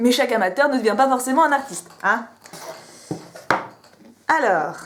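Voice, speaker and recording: Over noticeable background noise and audible room echo, a woman speaks very slowly in a high voice with lively intonation and very even loudness. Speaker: beauty box unboxing vlogger. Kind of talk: casual unboxing vlog.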